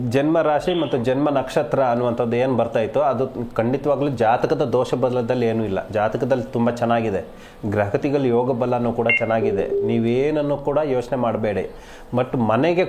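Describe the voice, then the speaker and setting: A male astrologer talks to viewers and callers in a calm, soothing way. He stretches out the phrases he wants to stress. His voice sits at an ordinary middle pitch. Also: slight background noise. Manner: calm, reassuring, stretches key phrases slowly. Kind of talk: live TV call-in advice.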